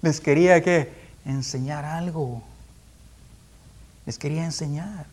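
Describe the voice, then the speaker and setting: A man's voice: a little high, measured pace, a little mellow, slight background noise. A man preaching in a conversational Bible-teaching style, asking rhetorical questions, constantly checking in with his listeners, and chuckling often. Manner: rhetorical questions with frequent tag questions.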